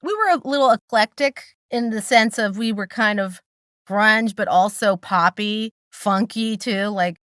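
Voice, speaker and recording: Woman guest, deep and a little raspy, loose and candid, dry booth sound. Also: unhurried, a bit bright, no echo. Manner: laughs often, candid, swears casually. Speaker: guest, voice actor and singer. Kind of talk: casual podcast chat.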